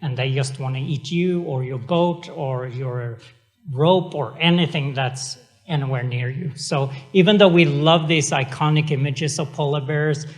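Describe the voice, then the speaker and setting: A man's voice: fairly high pitch, a little slow. Swedish-accented man giving an event speech. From Sweden. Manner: chatty, self-deprecating, many fillers. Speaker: executive director.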